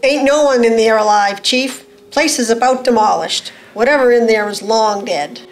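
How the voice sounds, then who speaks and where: A woman's voice: fairly high pitch, moderate pace, close to an everyday voice. A woman on stage playing a plain-spoken rural deputy in a radio play. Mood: matter-of-fact.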